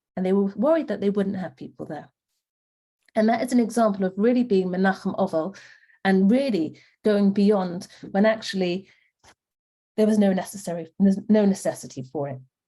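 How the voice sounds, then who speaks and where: A woman speaks in a dark, mellow, somewhat breathy tone with ordinary pitch variation. She leaves long, frequent pauses. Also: medium pitch for a woman. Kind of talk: online lecture. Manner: fast.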